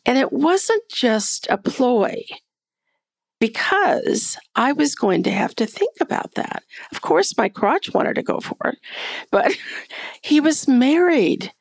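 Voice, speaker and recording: A woman guest in an interview, telling a lively, candid story with frequent laughter. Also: high-pitched, slow, vocal fry, no room sound.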